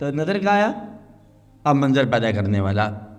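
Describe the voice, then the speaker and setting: A man speaks with very wide pitch swings. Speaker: Islamic spiritual lecturer. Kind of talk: religious lecture. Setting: old archival audio cleaned up. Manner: explanatory, conversational.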